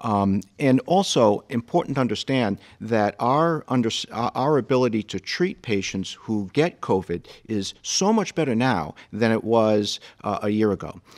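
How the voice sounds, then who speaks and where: Lively intonation carries speech at a moderate pace over a quiet background. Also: man, medium pitch for a man. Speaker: hospital executive. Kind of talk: public briefing. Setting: video call. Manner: halting, frequent repetitions and fillers. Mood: calm, reassuring, explanatory. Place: studio. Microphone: studio mic.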